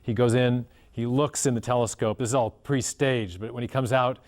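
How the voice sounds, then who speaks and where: A man's voice: mid-range voice, steady tone, normal speed, a little mellow. Earnest man explaining at length. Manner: earnest, storytelling explainer who restarts phrases. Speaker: guest scholar. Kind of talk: explanatory interview talk.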